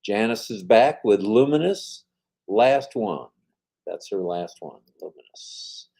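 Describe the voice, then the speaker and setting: Chatty older man with a mellow voice. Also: lowish voice, animated, slow pace, creaky, breathy edge. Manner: upbeat and chatty, reads comments with emphasis. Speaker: co-host of a live chat stream. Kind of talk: casual live-stream chat, reading viewer comments aloud.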